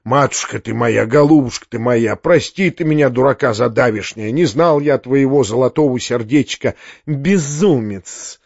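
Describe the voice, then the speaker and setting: A man's voice: medium pitch, moderate pace, creaky, darkish tone, no room sound, lo-fi sound. A man voicing a fat, hearty provincial landowner in an audiobook, talking in an effusive, folksy way.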